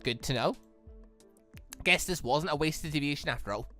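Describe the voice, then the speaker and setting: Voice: medium pitch, moderate pace, fairly bright tone, soft background music, voice pushed down, natural voice. A gaming host reading the part of a naive, curious, apologetic visual novel protagonist in an earnest, hesitant manner.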